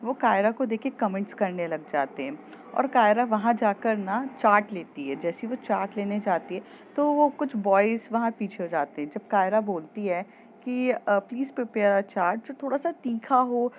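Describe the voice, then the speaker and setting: A woman's voice: medium pitch, expressive, normal speed, lo-fi sound, a little hiss or hum. Chatty woman telling a story. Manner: chatty, with fillers and repeats. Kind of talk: casual story narration.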